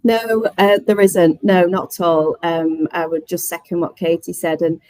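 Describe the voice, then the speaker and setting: A woman with a slightly low voice talks casually on a business panel. She is plain-spoken and conversational, with a dry, echo-free sound. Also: steady tone, normal speed, a little mellow. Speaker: webinar panellist, workspace operator. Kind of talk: casual professional panel discussion.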